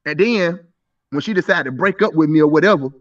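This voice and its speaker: Heard muffled and from afar, a man in his thirties pushes his point in a live stream debate. His voice is fairly high-pitched with lively intonation and a slightly fast pace. He trips over his words, restarting again and again.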